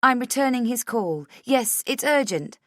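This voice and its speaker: A woman's voice: medium pitch, lively intonation, unhurried, no echo, studio quality, voice pushed up, close to an everyday voice. A woman voicing a frantic, desperate woman in a dramatic audiobook, speaking urgently and insistently as if pleading to be believed. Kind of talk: dramatic audiobook character dialogue.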